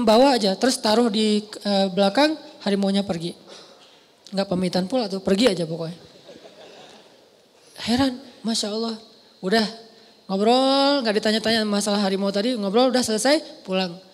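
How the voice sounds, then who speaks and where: An Indonesian-accented man preaching a sermon to a mosque audience, telling stories with lively asides. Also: extremely high pitch. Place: large mosque hall. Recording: long hall reverb.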